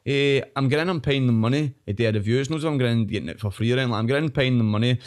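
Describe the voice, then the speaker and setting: A man speaks in a thick, broad Glaswegian Scottish accent at a very rapid clip. His pitch is average, and he rambles through casual stories full of slang, swearing and conversational tags. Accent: broad Scottish, Glasgow. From Scotland. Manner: rambling, slangy, sweary, frequent "know what I mean". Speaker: online food reviewer, podcast guest. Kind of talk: casual chat, storytelling.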